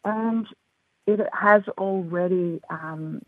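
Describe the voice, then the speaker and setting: A woman's voice: fairly low pitch, slow, dry recording. Enthusiastic Australian woman on a phone line. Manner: enthusiastic, upbeat, frequent "um" and "look". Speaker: rugby development representative. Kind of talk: phone interview guest.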